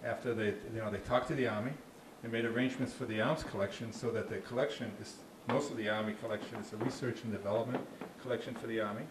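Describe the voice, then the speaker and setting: In a small dark room with a slide screen, a man with a Boston accent, a park ranger, fields audience questions during a casual talk into a handheld mic. His low voice stays fairly even and fast, with hardly any pauses, as he restarts often and cracks dry jokes. Echo and faint noise color the audio.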